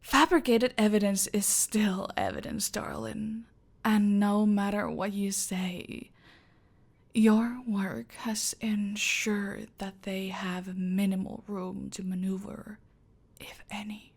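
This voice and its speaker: Woman as female cartel boss: imperious, slow, husky-fry whisper, controlled menace. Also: medium pitch, little pitch movement, full character voice. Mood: smug. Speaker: voice actor in audio roleplay. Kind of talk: ASMR roleplay.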